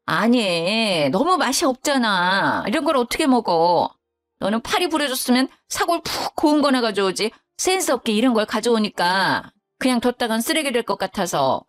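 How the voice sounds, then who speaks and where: A woman's voice: fairly high pitch, sing-song, normal speed, soft background music. A woman voicing a grumbling, self-pitying widowed mother-in-law who speaks curtly. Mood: indignant. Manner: curt, self-pitying, sighing.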